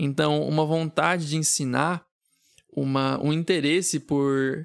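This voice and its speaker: Heard in a dry, close sound with no echo, an ordinary speaking voice carries fairly even intonation. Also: man, very clean recording, silent background. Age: 20s. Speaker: game developer and podcast host. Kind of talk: solo podcast monologue.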